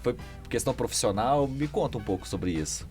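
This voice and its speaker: A man's voice: medium pitch, animated, brisk, darkish tone, soft background music. A man hosting a podcast, chatting in a friendly way and putting questions to his guests. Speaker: podcast host. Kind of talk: casual podcast conversation.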